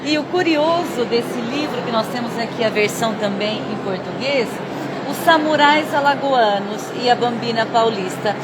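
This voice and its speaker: A woman interviewing an author at a book fair, warm and encouraging. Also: a little high, normal speed, a loud crowd, heavy background noise.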